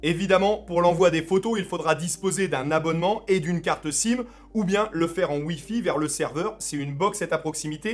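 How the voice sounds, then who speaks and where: With ordinary pitch variation, a man's voice sits at a high pitch. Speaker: tech YouTuber, drone and photo reviewer. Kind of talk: product review. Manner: fast.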